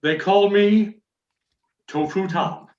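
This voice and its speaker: A man telling a mock-serious tall tale as a theatrical storytelling speech, with dramatic pauses and deliberate phrasing. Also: sits high. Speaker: Toastmasters contest speaker telling a tall tale. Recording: echoey room, dull muffled audio.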